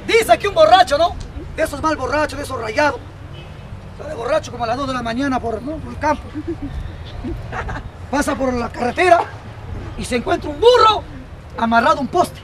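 A man's voice: very high-pitched, animated. A man telling crude jokes in the street, often checking in with the crowd. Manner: rapid, crude, asks crowd for approval. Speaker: street comedian. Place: outdoor street. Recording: loud outdoor street crowd and traffic.

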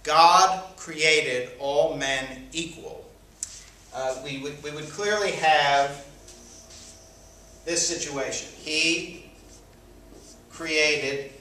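Guy explaining grammar at a board, bright voice, slow and full of uhs, sounds far from the mic. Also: on the high side, slight background noise. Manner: thinking aloud with many fillers. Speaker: grammar teacher. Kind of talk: whiteboard grammar lesson. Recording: echoey room, mic far off.

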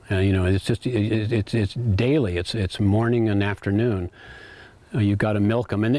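A man in his eighties giving a relaxed, rambling tour of his homestead, often repeating words while he thinks, on a lapel mic with faint background noise. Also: lowish voice. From United States. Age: 80s. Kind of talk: casual tour talk. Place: outdoor garden and home pantry.

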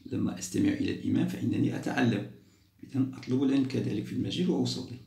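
A man's voice: mid-range voice, very fast, vocal fry, warm tone, reverberant. A man from Algeria, a primary school teacher patiently explaining a test to children, repeating points and praising them.

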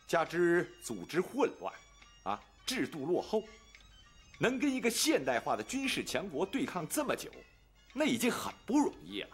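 A man's voice: high voice, wildly swooping pitch, normal speed, husky, full character voice. Smug Beijing man. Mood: ingratiating. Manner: smug, ingratiating, lecturing. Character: smug man working at the British legation, John. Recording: drama soundtrack with faint music.

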